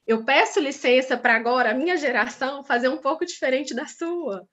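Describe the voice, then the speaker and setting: A woman, speaking gently and politely in a casual panel conversation. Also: high-pitched, brisk. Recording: dull lo-fi call audio.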